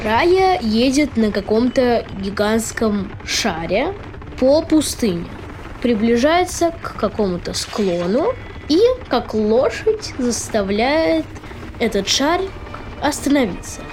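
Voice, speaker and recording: Female podcast co-host, slightly high pitch, slow delivery, casual explainer. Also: very animated, darkish tone, slight background noise, rough recording.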